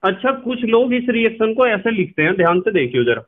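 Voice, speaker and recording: A male chemistry teacher giving a lecture who keeps asking his students questions and answering them himself. He spells out terms slowly and patiently. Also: high voice, big pitch swings, narrow, tinny audio. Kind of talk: classroom lecture.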